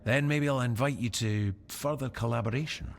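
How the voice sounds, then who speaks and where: An actor playing a weary, proud tribal warrior in a fantasy role-playing game, speaking gravely and deliberately with a fatalistic air. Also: male voice, mid-range voice, a little hiss or hum, natural voice. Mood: grave, instructive. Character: weary, proud tribal warrior man camped at sealed doors.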